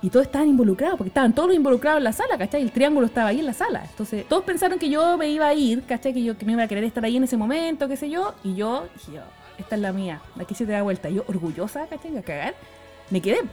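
A woman's voice: high-pitched, expressive, very fast, darkish tone, soft background music. A young woman with a Chilean accent telling a story in a casual, slangy way, laughing often.

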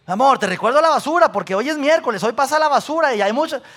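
A man's voice: very high-pitched, expressive, fast, a bit bright, voice pushed up. Man playing a nagging wife. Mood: insistent. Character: nagging wife reminding about trash.

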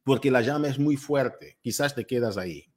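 A man's voice: medium pitch, normal speed, a little mellow, voice pushed down, natural voice. A man voicing a firefighter who urgently warns a parent away from a burning house, in a short acted quote.

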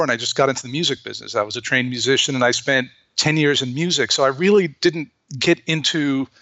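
A man's voice: medium pitch, a bit bright, no echo, lo-fi sound. A man who grew up in Lebanon, a guest in an interview, telling his story reflectively with frequent restarts. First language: bilingual in Arabic and English. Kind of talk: casual interview talk.

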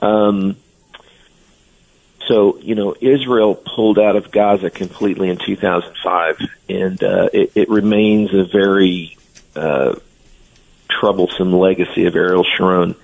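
A man's voice: low voice, fairly even intonation, measured pace, vocal fry, poor audio. A man speaking as a guest on a radio interview, giving earnest, blunt opinions. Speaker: guest commentator.

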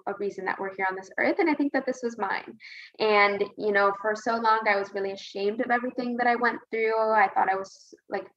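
In a muffled recording, a woman with a mid-range, fairly bright voice talks casually and earnestly as a podcast guest. She's a women's health advocate who rambles somewhat and repeats herself for emphasis in this conversational interview answer.

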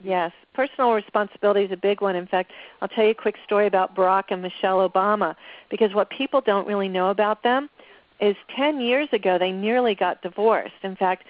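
A woman's voice: medium pitch, no room sound. A woman guest explains her ideas through confident, conversational stories. She has a mid-range voice. The recording sounds dry and a bit dull. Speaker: relationship author guest. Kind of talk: storytelling interview answers.

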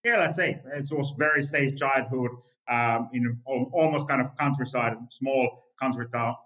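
A middle-pitched man with a Finnish accent talks through his answers as an interview guest. He restarts often and leans on the same filler phrase while he searches for words, in English that is not his first language. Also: fairly bright tone, poor audio. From Finland. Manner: halting, full of restarts and the filler "let's say". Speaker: guest founder.

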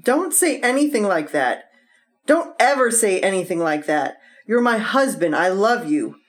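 A devoted wife tending her sick husband. She speaks in a soft, soothing way and pleads gently when he despairs. Her voice sits at an ordinary pitch for a woman. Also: sing-song, a little slow. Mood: pleading. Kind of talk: old time radio drama acting.

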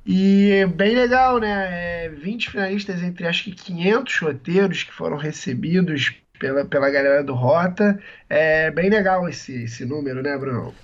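A man, hoarse from a cold, co-hosting a podcast in casual, rambling chat with many restarts. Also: on the high side, measured pace, few pauses, highs cut off. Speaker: podcast co-host.

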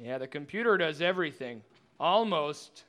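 An actor playing a cheerful, quirky space station chief who tends bar, with a folksy manner, in a sci-fi comedy. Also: male voice, a little high, lively intonation, moderate pace, fairly bright tone. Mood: chatty. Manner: folksy, ends phrases with "eh". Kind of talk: animated sci-fi comedy dialogue.

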